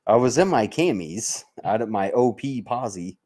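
This military veteran and livestream host from Mississippi, USA, has a mid-range voice with a dark tone and lively intonation, delivered slowly. His casual chat with viewers is bantering, blunt and sweary.

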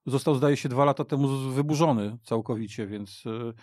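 A man speaking haltingly and repeating words as he discusses football off the cuff as a guest. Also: medium pitch, a little mellow, no room sound. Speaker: podcast guest. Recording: dry radio studio.

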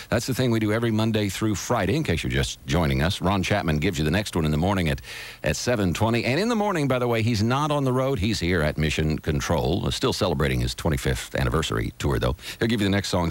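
A man in his forties presenting music radio live on a close studio microphone, chatty with wry asides. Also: fairly low pitch. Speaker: radio DJ on afternoon drive. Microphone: close broadcast studio microphone on boom arm.

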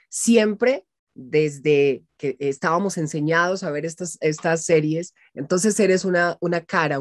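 Middle-aged female host, low voice, encouraging and affirming, dry home recording. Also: dry recording. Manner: affirming, frequent agreeing interjections. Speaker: podcast host, voice mentor. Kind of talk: interview host. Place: home room. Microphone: video call.

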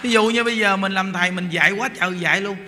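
A man's voice: high-pitched, fast talker, pushed and bright, a faint crowd. A man giving a Buddhist dharma talk in a folksy way, acting out blunt everyday exchanges. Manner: folksy, acts out blunt dialogue with listeners. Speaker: Buddhist teacher. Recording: long hall reverb, faint noise.

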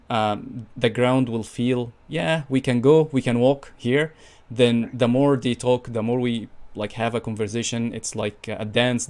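A man's voice: mid-range voice, darkish tone. A young man hosting a video call interview, thinking aloud with many fillers and searching phrasing. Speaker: podcast host. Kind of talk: casual interview conversation. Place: home room, video call.

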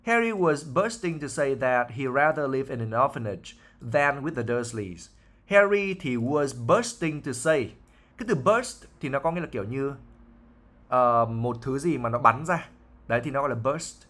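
A man's voice: mid-range voice, animated, normal speed, fairly bright tone. A man, an English teacher patiently explaining a novel line by line, with fillers and frequent checks for understanding.

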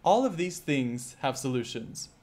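A male IELTS teacher giving a scripted lesson, speaking clearly and measuredly and putting rhetorical questions to the viewer. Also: mid-range voice, sing-song, unhurried, a little mellow.

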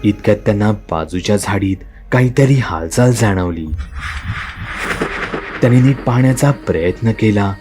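A man with a Marathi accent telling a scripted horror story as the channel's narrator, steady and slowing for suspense. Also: lowish voice, soft background music.

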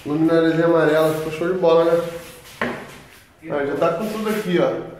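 Young man, Brazilian accent, high voice, slangy casual vlog chat, roomy echo, background noise. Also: fairly even intonation, brisk, darkish tone. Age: 20s. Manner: informal and slangy. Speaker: vlogger. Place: tiled kitchen and large covered rooms. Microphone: phone at arm's length. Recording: echoey rooms with noisy handheld camera sound.

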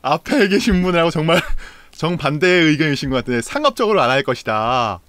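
Lively young man hosting a stream. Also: a little high, fast, dry recording. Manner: playful, laughs often, teasing. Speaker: talk show host. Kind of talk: casual streamed talk show. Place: small bedroom, indoors.

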